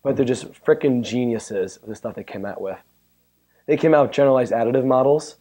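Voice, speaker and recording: A man with a hoarse, worn-out voice giving a chatty, joking technical talk at a conference and bantering with the audience. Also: mid-range voice, fairly quick, dark tone. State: hoarse, losing his voice. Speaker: conference speaker. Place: conference room. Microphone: handheld or stand mic.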